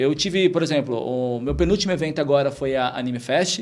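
A man with an unremarkable speaking voice, fairly high in pitch, with ordinary pitch variation and a fairly quick pace. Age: 30s. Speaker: gamer and influencer. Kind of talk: podcast interview.

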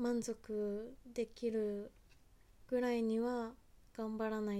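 A woman's fairly high-pitched voice, dark and mellow in tone, at a very slow pace with fairly even intonation. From Japan. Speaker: podcast co-host, former volunteer. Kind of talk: solo podcast monologue.

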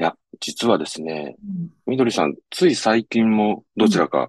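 His fairly low voice swings very widely in pitch, and the man's recording sounds dry and close with no echo. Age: 50s. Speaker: podcast interviewer. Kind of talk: casual interview chat.

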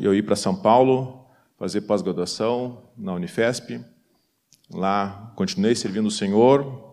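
At a fairly slow pace, a man talks at a fairly low pitch with ordinary pitch variation, and audible room echo is present. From southern Brazil (Porto Alegre). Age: 50s. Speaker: physician and lay preacher. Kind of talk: sermon.

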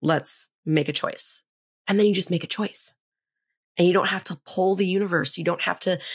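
A woman with a medium-pitched voice talks very fast in an animated tone, recorded dry and close with no echo, very clean, over a silent background. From Southern California. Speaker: life coach and podcast host. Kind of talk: casual monologue.

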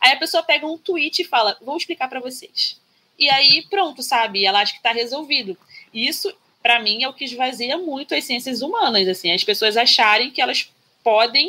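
A woman speaks in a high-pitched, raised and projected voice. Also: lively intonation, moderate pace. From Brazil, Rio de Janeiro suburbs. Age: 30s. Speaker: history master's student and beauty content creator. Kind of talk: casual interview chat.

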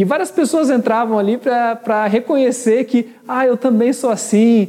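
A man speaks with an extremely high pitch at a fairly slow pace. Noticeable background noise runs underneath. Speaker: pastor. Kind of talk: sermon. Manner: halting.

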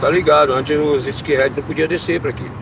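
Noticeable background noise sits under speech that goes at a fairly quick pace. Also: man. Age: 30s. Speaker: homeless man. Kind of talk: interview.

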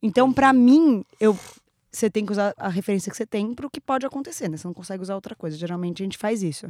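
Very fast speech comes through a dry, close sound with no echo, in a very clean recording with a silent background. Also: woman, medium pitch for a woman, big swings in loudness. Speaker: podcast co-host. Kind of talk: casual chat. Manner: fast today.

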